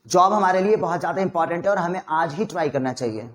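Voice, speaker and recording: A man with an Indian accent teaching a spoken English lesson, mixing Hindi with English and coaxing learners through rapid drills. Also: on the high side. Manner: energetic, coaxing drill instructor.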